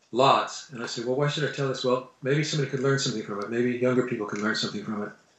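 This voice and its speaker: Audible room echo surrounds this recording. In it, a man talks with fairly even intonation. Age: 60s. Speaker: filmmaker and memoir author. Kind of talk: interview.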